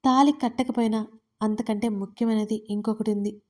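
A woman's voice: fairly high pitch, fairly even intonation, moderate pace, dark tone, lightly acted. A woman voicing an insistent, possessive young husband in an audio love story, pressing his questions. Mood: calm.

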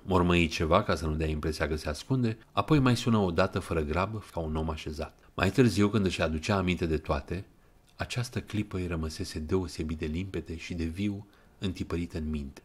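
A man narrating an audiobook retelling of a novel in an even, measured way, quoting passages. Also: deep voice, breathy edge.

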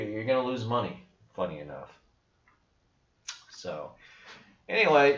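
A young man hosting a crypto channel, talking casually over a screen share in a blunt, skeptical, rambling way with restarts. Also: lowish voice. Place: small room indoors. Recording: echoey room, dull lo-fi sound.

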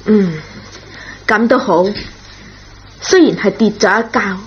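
An actress playing a kind, forgiving schoolteacher in a radio drama, speaking in a gentle, measured, reassuring way. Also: female voice, mid-range voice, lightly acted. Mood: calm, relieved. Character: kind, forgiving, patient female schoolteacher, a parent. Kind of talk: Cantonese radio drama acting. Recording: dull, noisy old radio recording.

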